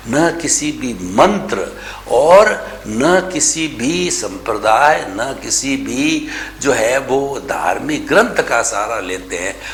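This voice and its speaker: A man delivering a slow, deliberate spiritual discourse, his voice bright and rising and falling in wide swings. He presses his points home with rhetorical questions and the odd English phrase. The recording has an echoey room sound with a faint hum of ambience. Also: medium pitch. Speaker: spiritual teacher.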